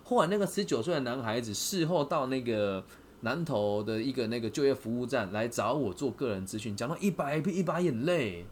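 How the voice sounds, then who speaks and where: A man with a Taiwanese Mandarin accent hosting a podcast, telling a story in a lively way and asking listeners rhetorical questions. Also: medium pitch, fairly quick, slight background noise. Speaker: podcast host. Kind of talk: casual storytelling monologue.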